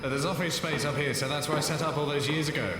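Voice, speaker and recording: A man's voice: a little high, fairly even intonation, fast talker, close to an everyday voice. An actor playing an eerie, courteous but menacing reclusive man in a horror audio drama. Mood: politely apologetic. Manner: courteous but sinister, evasive. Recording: very echoey cavernous hall, distant, clear noise.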